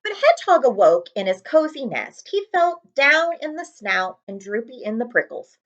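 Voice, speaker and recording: Lady doing a kids read aloud, high voice, very up and down, chatty asides, slightly dull audio. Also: normal speed. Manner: expressive, speaks directly to young children. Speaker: read-aloud host, librarian. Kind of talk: children's storybook read-aloud with friendly asides.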